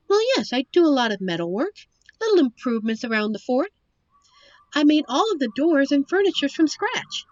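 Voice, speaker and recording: A woman playing a captive young princess in a roleplay audio drama, witty and wistful, with genteel, formal storybook phrasing and thoughtful pauses. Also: high voice, no echo, highs cut off. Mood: proud, wry. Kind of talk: roleplay audio drama, one side of a dialogue.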